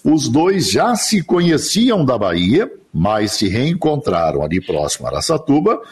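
An older radio announcer from the interior of São Paulo state, Brazil, recounts his life story in a relaxed, chatty interview recorded over a remote online link. His husky, mid-range voice moves at a measured pace with a Brazilian Portuguese accent from the São Paulo interior. He laughs easily and drifts into rambling anecdotes.

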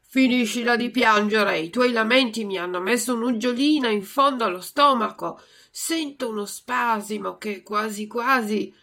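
A woman voicing a stern bearded puppet master who talks loudly and barks orders. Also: medium pitch, unhurried, gravelly. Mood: gruff. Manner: loud, barking commands. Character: gruff bearded male puppet master, stern but soft-hearted.

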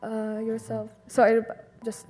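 A woman's voice: a little high, completely flat delivery, measured pace, warm tone, soft background music. A young woman from Syria, speaking earnestly and with passion as an interview guest. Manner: earnest and impassioned. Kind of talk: conversational interview.

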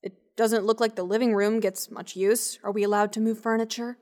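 A woman's voice: mid-range voice, level tone, a little fast, darkish tone, natural voice. An actress playing a brash, sarcastic young woman scientist in an audio drama, slangy, sweary and defensive. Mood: breezy, defensive. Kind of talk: audio drama acting, naturalistic banter.

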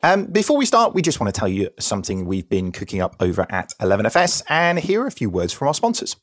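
A man's voice: on the low side, huge pitch swings, fast, no echo, clean studio sound. A man with an East Anglian English accent, presenting as an informal, chatty podcast host and introducing guests. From England.

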